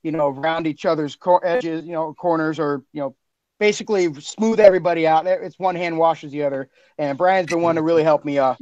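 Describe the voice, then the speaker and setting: A man's voice: on the high side, fairly even intonation, a little fast, a little mellow, dry recording, muffled recording. A man hosting a podcast, chatting casually in an effusive, informal way. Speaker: podcast host and producer. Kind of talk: casual chat.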